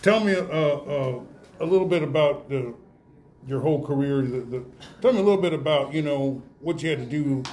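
A man hosting a casual awards interview in a folksy, rambling, halting way. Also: a little high, darkish tone, slight background noise. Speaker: radio host interviewing high school athletes. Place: indoor room with guests present.

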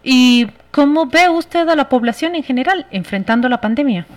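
A woman with a Guatemalan accent, hosting a radio interview and asking questions in a brisk, formal way. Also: high voice, animated. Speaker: radio host.

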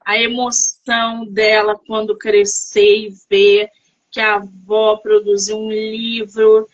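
A woman's voice: medium pitch, level tone, slow pace, highs cut off. A woman interviewing an author, with effusive, admiring exclamations in a casual chat.

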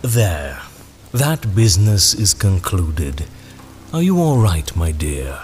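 An actor playing a menacing, eloquent ringmaster in an audio drama, speaking in deliberate, theatrical, archaic phrases. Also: male voice, low-pitched, big pitch swings, a little mellow, faint music behind, heavily acted. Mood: courtly, sly.

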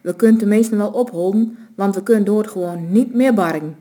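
A woman with a Low voicing a practical male bandit who asks matter-of-fact questions. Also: fairly quick, mellow, close to an everyday voice.

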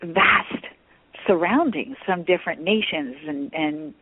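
A woman's voice: on the low side, very animated, takes it slowly, slightly rough, no echo. A woman hosting an interview, enthusiastic and effusive as she asks her questions, heard over a phone-like line. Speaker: host. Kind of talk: radio interview.

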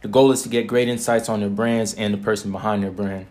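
Laid-back young male host, flat low voice. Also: fast talker. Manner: laid-back slangy chat. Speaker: interview host. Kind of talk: casual interview conversation.

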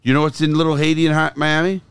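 A man hosting a casual podcast in an RV, a loud, laughing storyteller who jokes and swears freely. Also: a little high, little pitch movement, fast talker, clean tone, no echo. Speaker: podcast host. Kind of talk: casual chat.

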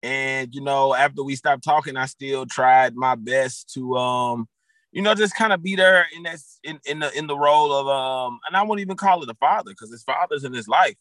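A man's voice: medium pitch, moderate pace, a bit bright, no echo. A man in his thirties, a guest and football coach, talking casually on a podcast with many fillers and restarts. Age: 30s.

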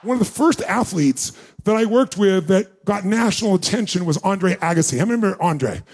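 Middle-aged male speaker, high pitch, punchy live-seminar storyteller who acts out dialogue and questions the room. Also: lively intonation, a little fast, a little mellow, husky. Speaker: motivational speaker.

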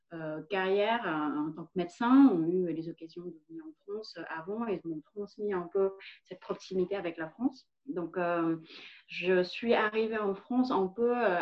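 A woman in her thirties from Vietnam with a Vietnamese accent, telling her story as a podcast guest, hesitant with many fillers and restarts. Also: fairly low pitch. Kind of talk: personal story in a podcast interview. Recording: dull lo-fi recording.

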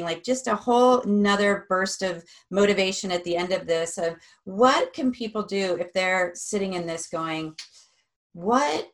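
A woman hosting an interview, casual and affirming, often chiming in to agree. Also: mid-range voice. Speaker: interview host.

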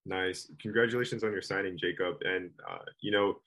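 Canadian host guy, lowish voice, chatty friendly questions. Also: fairly even intonation, brisk, a bit bright, rough recording. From Greater Toronto Area, Canada. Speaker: podcast host. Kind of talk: casual interview hosting.

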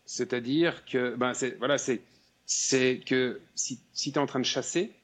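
A man from Geneva, Switzerland, with a Swiss French accent, chats casually as a podcast guest in an interview. His medium-pitched voice is steady and unhurried, though he speaks hesitantly and restarts often.

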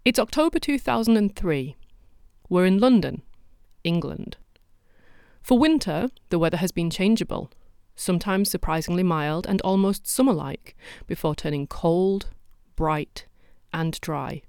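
A woman's voice: fairly low pitch, lively intonation, a little slow, gravelly, a little mellow, clear, resonant tone, no echo. A woman hosting a podcast, delivering scripted documentary narration with dry, wry asides. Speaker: podcast host.

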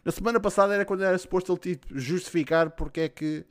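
Higher-pitched Portuguese man hosting a casual podcast. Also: very fast. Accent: European Portuguese. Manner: informal, slangy, swearing. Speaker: podcast host. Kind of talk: casual chat, reading out and answering listener questions.

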